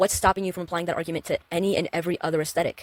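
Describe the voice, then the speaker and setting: The speech comes in an American accent. It runs at a very fast pace. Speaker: commentary YouTuber. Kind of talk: commentary video monologue. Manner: slurred words. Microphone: poor mic.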